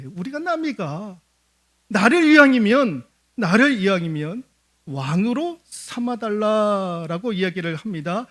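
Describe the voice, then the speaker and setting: A man pastor preaching a sermon at a church service, animated and full of rhetorical questions, often turning to address the congregation. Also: high-pitched.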